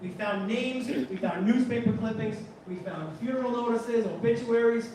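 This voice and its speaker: A man with a fairly high voice tells a story to a live audience, chatty and animated and forever backing up to restart. The room is very echoey and he sits well back from the mic. A faint hum of the room runs behind him. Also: normal speed, far from the mic. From Canada. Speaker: photographer giving a talk. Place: large room at a photography guild talk.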